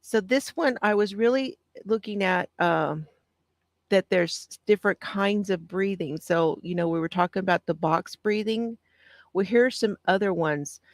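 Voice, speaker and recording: A woman hosting a casual live stream, with a soft, calming voice, reading out notes on breathing and answering viewer comments. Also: on the low side, dry recording, studio quality. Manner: gentle, reads aloud with pauses and answers viewer comments. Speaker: craft channel host.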